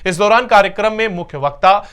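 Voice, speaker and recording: A man's voice: high voice, fast, a bit bright, smooth. A man reading scripted television news as an anchor, in a formal announcer delivery with emphatic stresses.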